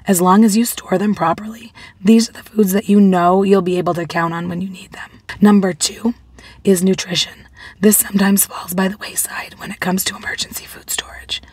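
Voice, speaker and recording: A woman's voice: a little mellow, dry recording. A woman in her forties who has lost her voice, whispering a vlog to camera from inside a parked car. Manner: breathy whisper, friendly pitch to viewers. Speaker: prepping vlogger. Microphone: phone camera at arm's length.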